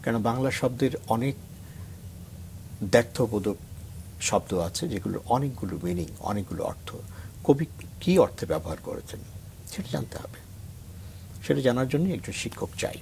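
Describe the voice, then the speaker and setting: A man's voice: medium pitch, animated, moderate pace, vocal fry, pauses often, a little mellow, slight background noise. A middle-aged man from Bangladesh, a reciter on a TV morning show, talking earnestly and then reciting a poem with swelling emphasis. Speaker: reciter guest. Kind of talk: reflective talk and poetry recitation. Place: TV studio.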